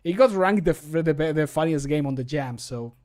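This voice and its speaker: A man's voice: on the high side, brisk, darkish tone. A man in his thirties chatting casually as a streamer, in an amused, self-deprecating way, close on the microphone. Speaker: streamer recording mod voicelines. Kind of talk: casual livestream chat. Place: small home room. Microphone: close studio microphone.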